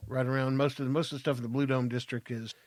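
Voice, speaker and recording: A man's voice: mid-range voice, level tone, very fast, a little mellow, no echo. A man in his fifties with an American accent, bantering casually and crudely as a podcast co-host, with emphatic delivery. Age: 50s.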